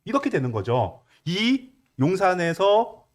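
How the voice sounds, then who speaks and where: A man's voice: high-pitched, sing-song, measured pace. A male commentator on a talk show who lays out his own speculative scenario at length. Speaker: political commentator. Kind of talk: casual panel talk show.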